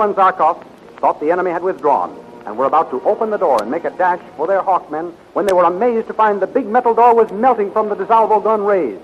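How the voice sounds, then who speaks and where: A man narrating a 1930s radio adventure serial as its announcer, dramatic and declamatory. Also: high-pitched. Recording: dull, vintage 1930s radio recording.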